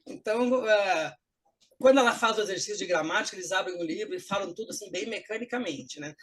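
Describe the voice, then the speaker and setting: A man with a Brazilian Portuguese accent, a guest on a talk show, explaining things in an animated way. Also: sits high, fast. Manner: animated explaining, with lively acted-out quotes. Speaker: guest, English teacher and actor. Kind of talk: casual interview talk.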